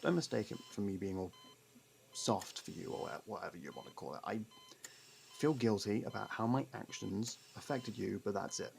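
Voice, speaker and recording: Man acting a low, gravelly, guarded convict. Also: lively intonation, normal speed, darkish tone, slight background noise. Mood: flustered denial. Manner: defensive, hesitant, sardonic, with stammered denials. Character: gruff, guarded convict partner secretly fond of a detective. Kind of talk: intimate ASMR audio roleplay acting.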